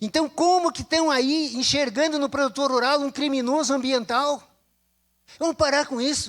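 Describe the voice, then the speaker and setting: An extremely high-pitched man's voice, animated in tone, at a fairly slow pace with ordinary pitch variation, on a very clean recording with a silent background. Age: 60s. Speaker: agronomist. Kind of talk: lecture.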